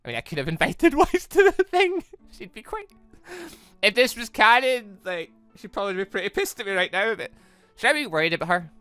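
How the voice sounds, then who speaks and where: Animated male gamer with a bright voice. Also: high voice, a little fast, smooth, dry recording, faint music behind. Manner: rambling, animated, exasperated asides. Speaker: gaming video host. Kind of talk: let's play commentary, reading visual novel dialogue aloud.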